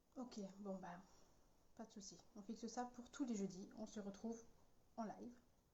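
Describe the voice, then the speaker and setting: Soft-spoken and somewhat breathy, a woman talks at a fairly high pitch with a dark, mellow tone. Her intonation is fairly even, her pace moderate, with long, frequent pauses. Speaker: craft demonstrator. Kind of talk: live craft tutorial with chat. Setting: Facebook live stream. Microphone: too quiet for viewers.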